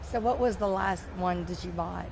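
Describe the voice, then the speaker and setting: A woman's voice: fairly low pitch, normal speed, creaky. A woman hosting a casual panel chat, agreeing often with short replies and asking easy questions. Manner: agreeable, frequent short affirmations and laughs. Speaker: panel host. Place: aquarium festival stage. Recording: noisy expo hall.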